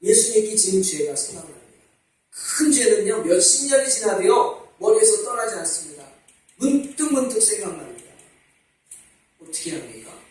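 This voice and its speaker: A man's voice: high voice, very animated, normal speed, darkish tone. A man preaching a sermon as pastor, asking rhetorical questions and repeating his calls to repent. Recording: echoey church hall, mic at a distance.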